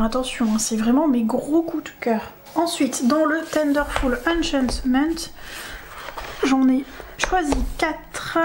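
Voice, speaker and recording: A woman's voice: high voice, a little mellow, a little hiss or hum. A woman vlogger chatting casually and gushing about illustrations she likes, giggling now and then. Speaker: coloring-book vlogger. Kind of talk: casual chat.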